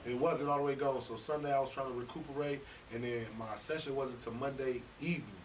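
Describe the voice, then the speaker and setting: A man's voice: medium pitch, steady tone, brisk, recorded from a distance, a little hiss or hum. A man, a recording artist, telling a casual story in conversation in a loose, slangy way with many restarts.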